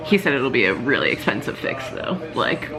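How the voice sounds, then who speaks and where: A woman's voice: very deep voice, big pitch swings, normal speed, creaky. A young woman chatting casually to her vlog audience in an informal, giggly storytelling way. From Georgia, United States. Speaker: vlogger.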